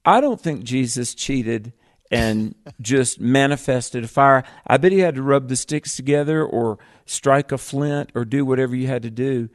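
Male radio Bible co-host, measured and teacherly, cites chapter and verse. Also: mid-range voice. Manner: measured, explanatory, scripture-citing. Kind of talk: call-in radio Bible talk.

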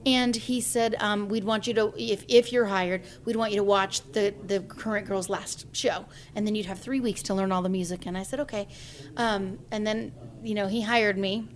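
A woman's voice: mid-range voice, normal speed. A woman in her forties, a singer, telling a personal story in an interview and acting out the voices of the people she quotes. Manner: lively storyteller who acts out quoted voices.

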